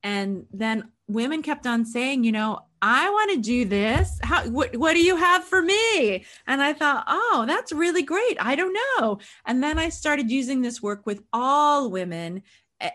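A woman's voice: medium pitch, fairly bright tone. A middle-aged woman talking conversationally as a coach being interviewed on a podcast. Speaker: podcast guest, sexual empowerment coach.

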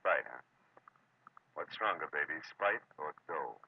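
A man's voice: very deep voice, animated, measured pace, full character voice. An American man acting a wry, world-weary private detective in a terse, hard-boiled 1940s radio drama style. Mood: matter-of-fact, wry. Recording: muffled, noisy vintage radio recording.

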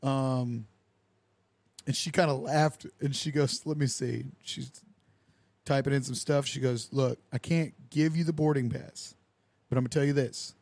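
A man's voice: mid-range voice, unhurried, gravelly, dry recording. A young man, a podcast host telling a story in casual chat and acting out the people in it. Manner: animated storyteller who acts out quoted dialogue with lively voices.

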